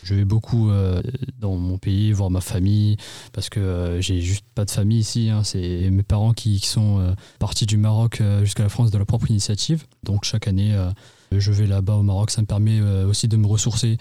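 A teenage boy answers questions for a school radio show, hesitating and filling pauses often. His voice is low, flat and mellow, and the recording is dry and close. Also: no room sound. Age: teens. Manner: halting, many fillers. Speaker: student guest.

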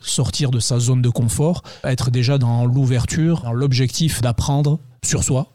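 A man who teaches English, answering interview questions in a measured, thoughtful way. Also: mid-range voice, steady tone, dark tone, dry recording, studio quality.

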